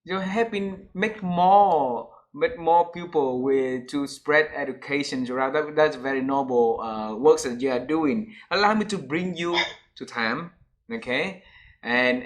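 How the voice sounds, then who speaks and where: A man hosting an interview asks questions with hesitant, non-native phrasing. His voice sits at a middle pitch. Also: unhurried. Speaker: interview host.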